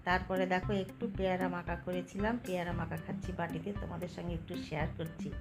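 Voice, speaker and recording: A woman's voice: on the low side, flat delivery, fast talker. A woman chatting casually in a home vlog and speaking to viewers as friends. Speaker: vlogger. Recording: background music under the voice. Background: music.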